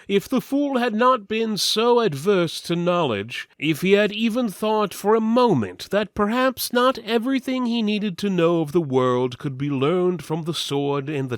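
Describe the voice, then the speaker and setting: Male narrator for mock-epic fantasy, theatrical and solemn, very varied pitch, dry close sound. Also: dry recording.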